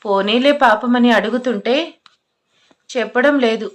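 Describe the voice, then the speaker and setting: A woman's voice: a little high, unhurried, lightly acted. A woman reading an irritated young man. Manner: irritated, scolding. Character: angry, blunt young man, quick to anger.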